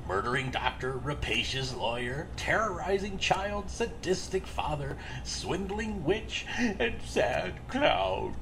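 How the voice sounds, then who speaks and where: A man's voice: high voice, vocal fry, background noise, exaggerated voice. A man playing a chatty, volatile serial killer in an audio drama, rambling with casual menace and demanding answers.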